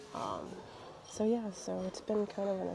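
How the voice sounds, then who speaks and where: A soft-spoken woman with an American accent talks at a fairly slow pace, with audible room echo. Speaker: travel vlogger. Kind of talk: casual vlog narration. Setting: airport lounge. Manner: hesitant, many fillers.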